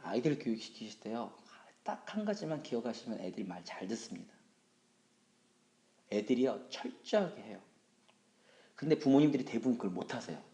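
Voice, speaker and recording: A man in his thirties, a junior pastor teaching a Bible study, animated and joking about himself. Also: fairly quick, long pauses, reverberant. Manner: animated, acts out scolding and quoted voices with big pitch jumps; humorous, self-deprecating asides.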